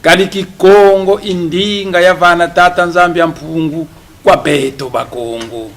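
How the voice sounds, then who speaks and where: A man whose first language is Kikongo, giving a deliberate press conference statement as a politician. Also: high-pitched, steady tone. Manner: slow, deliberate delivery, switching between French and Kikongo.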